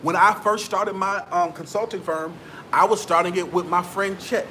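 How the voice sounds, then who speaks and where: A man's voice: sits high, steady tone, normal speed, sharp tone, slight background noise. A man, giving motivational business advice straight to his viewers in a preachy, repetitive way. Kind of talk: motivational talk to camera.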